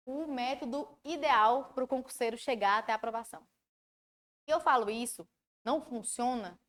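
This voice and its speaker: A woman with a Brazilian Portuguese accent, a study mentor giving an online lecture who asks her audience questions and explains in an animated way. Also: high-pitched.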